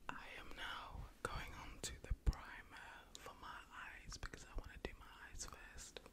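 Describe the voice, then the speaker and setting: Whispering in a relaxed tone at a fairly slow pace, a woman shows big swings in loudness. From London, England. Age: 20s. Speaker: makeup and ASMR content creator; ASMR content creator. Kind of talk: ASMR makeup tutorial talking to camera. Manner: quiet, soft-spoken, relaxed. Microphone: studio mic.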